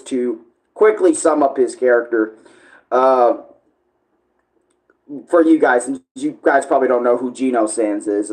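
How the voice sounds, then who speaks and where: Male streamer, mid-pitched, informal and rambling, halting as he searches for phrasing. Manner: halting, searching for words, self-correcting. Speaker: online video creator and live streamer. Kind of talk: casual rambling livestream chat.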